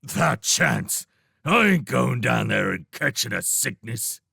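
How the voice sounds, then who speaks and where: A man voices a pair of lazy, boorish rat guards in a storybook reading. The voice is gravelly and husky, with a sharp, edgy brightness and wild swoops in pitch. They bluster and threaten in coarse slang. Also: sing-song, takes it slowly, no echo, clean studio sound, full character voice. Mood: fearful. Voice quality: gravelly, rough-edged. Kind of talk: audiobook character voice.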